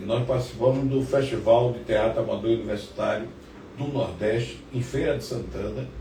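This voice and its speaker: A man speaks at a moderate pace. Noticeable background noise and audible room echo fill the recording. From Sergipe, Brazil. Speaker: judge. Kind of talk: interview, reminiscing.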